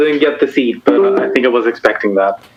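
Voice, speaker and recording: A man with a Swedish accent speaks over music in the background. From Sweden. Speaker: political candidate. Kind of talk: interview.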